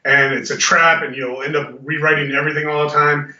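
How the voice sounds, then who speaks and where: A man's voice: on the high side, level tone, fairly quick, pushed and bright. A man being interviewed as a guest author, chatting with stumbling restarts. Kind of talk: casual interview. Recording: roomy, distant, lo-fi audio.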